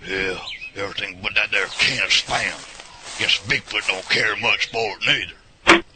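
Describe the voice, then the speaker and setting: A man's voice: lowish voice, a little slow, natural voice. A man playing a hot-tempered, gun-loving hillbilly in an audio drama, grumbling folksily with a rural Southern US accent. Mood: disgruntled, exasperated. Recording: loud noise, outdoor bird sounds.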